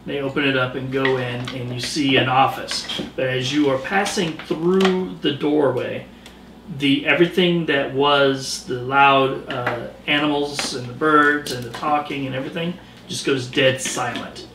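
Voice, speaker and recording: A man's voice: medium pitch, fairly even intonation, measured pace, noisy background. A man narrating a tabletop game as game master, describing scenes loosely with lots of fillers, in a roomy, distant recording.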